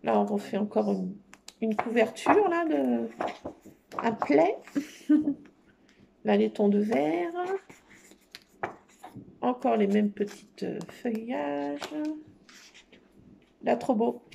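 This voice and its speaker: A scrapbooking crafter chats casually, showing off her craft paper with enthusiasm, lots of fillers, and a repeated "trop beau." Her fairly high, creaky voice has a dark tone, drawn-out words, and long pauses. A faint hiss or hum sits in the background.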